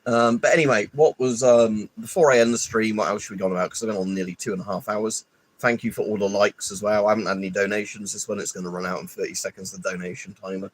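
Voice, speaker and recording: Male streamer, husky low voice, congested, rambling and irritable. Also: steady tone, fast talker, low-quality recording. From United Kingdom. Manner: rambling, irritable, swears often. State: stuffy with hay fever. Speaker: livestreamer. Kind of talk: casual live stream chat.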